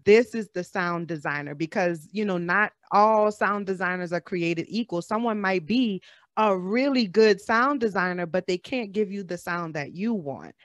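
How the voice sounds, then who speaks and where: A woman's voice: mid-range voice, normal speed, dry recording, clean studio sound. A woman hosting a casual panel discussion over a video call, chatty and informal. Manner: chatty, calls listeners "girl" and "y'all". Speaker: panel host.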